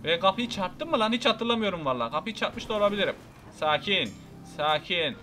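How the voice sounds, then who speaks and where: A young man giving excited, playfully menacing commentary over his own gameplay, repeating lines and talking to his viewers. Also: sits high, rapid-fire, faint music behind. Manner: loud, repetitive, playfully menacing banter. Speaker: gameplay video host.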